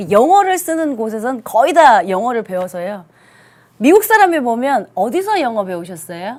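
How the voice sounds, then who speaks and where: On a very clean recording with a silent background, the talking proceeds at a moderate speed. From Seoul, South Korea, childhood partly in Canada. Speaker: English teacher. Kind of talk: lecture.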